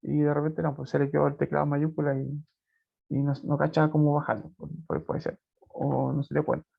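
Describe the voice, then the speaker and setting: A male teacher gives an online lecture in a somewhat high, gravelly voice. He explains patiently and keeps checking that his students follow. The sound is dull and lo-fi, as from a video call. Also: a little fast. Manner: explanatory, constantly checks in with "¿cierto?". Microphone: computer mic on a video call.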